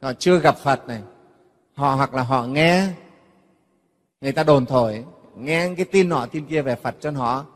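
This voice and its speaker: A Buddhist monk with a mid-range voice gives a dharma talk at normal speed, his words trailing into a long reverb tail. He speaks conversationally to the audience and keeps checking in with "nghe không?" to ask whether they follow.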